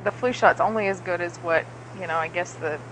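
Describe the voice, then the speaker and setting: A woman's voice: on the low side, a little fast, a bit bright, slight background noise, low-quality recording. A woman chatting casually over a call, blunt and emphatic, swearing freely when she gets worked up. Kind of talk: casual chat. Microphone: remote call.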